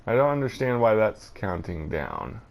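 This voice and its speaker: A man's voice: on the low side, sing-song, moderate pace, vocal fry, muffled recording. A man hosting a gameplay video with casual commentary, rambling a little as he thinks aloud.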